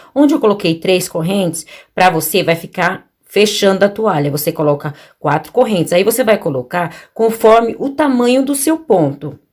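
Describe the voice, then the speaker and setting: Pitched at medium height, a woman speaks at a moderate pace. Her voice shows very wide pitch swings. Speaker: crochet teacher. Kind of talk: tutorial.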